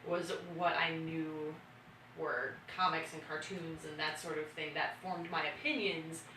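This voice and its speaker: A woman guest in a casual group chat, talking in an animated, enthusiastic way. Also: low-pitched, unhurried, recorded from a distance, slight background noise. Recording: roomy studio audio from off-mic.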